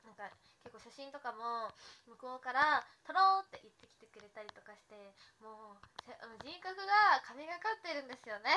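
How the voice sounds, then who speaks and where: Young woman idol, very bright and sharp, excitable livestream chatter, faint hiss behind. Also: a little high, normal speed, hardly any pauses. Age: young adult. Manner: giggly, excitable, rambling with many restarts. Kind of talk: casual livestream chat.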